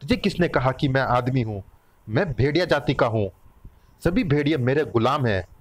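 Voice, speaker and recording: A man voicing a gruff, hot-tempered man of the wolf clan who bosses and threatens. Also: mid-range voice, animated, moderate pace, natural voice. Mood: boastful.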